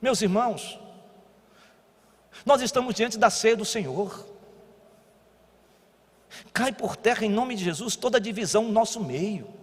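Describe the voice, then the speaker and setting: A Brazilian pastor preaching a sermon, moving between quiet teaching and loud exhortation. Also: male voice, high-pitched, expressive, a little slow, long pauses, slightly rough. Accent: Brazilian Portuguese. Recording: long church hall reverb.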